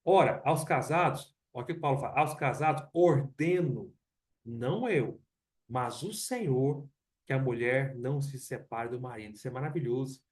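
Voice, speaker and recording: A man's voice: medium pitch, moderate pace, darkish tone, recorded from a distance. A man with a Brazilian accent preaching a Bible study in church, teaching conversationally, asking rhetorical questions and repeating himself. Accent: Brazilian Portuguese. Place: church hall.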